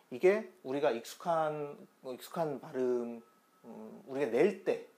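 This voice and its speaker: A man's voice: medium pitch, a little mellow. A man giving an online pronunciation lesson, explaining step by step and repeating demonstration sounds in a chatty teaching tone.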